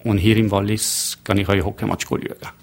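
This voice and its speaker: Gravelly French-native man on radio. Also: lowish voice, level tone, fairly quick. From Geneva, Switzerland. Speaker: hotelier, radio guest. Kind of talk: radio interview. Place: radio studio.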